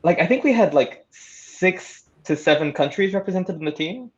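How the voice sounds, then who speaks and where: Dull lo-fi call, man, slightly high voice, chatty casual panelist, halting flow. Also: animated. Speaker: panelist, audio fiction creator. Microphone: remote call.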